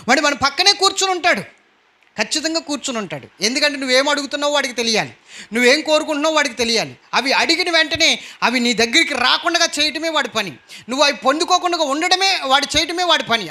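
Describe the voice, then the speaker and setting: High, bright-voiced emphatic man preaching. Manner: emphatic, calls out questions to the congregation. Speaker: pastor. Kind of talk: sermon.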